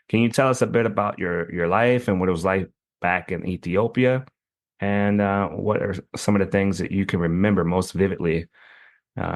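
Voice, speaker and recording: A male podcast host with a very low voice. He speaks in an easygoing, conversational way and trips over his questions as he asks them. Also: creaky. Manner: friendly, loose, stumbles over questions. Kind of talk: casual interview.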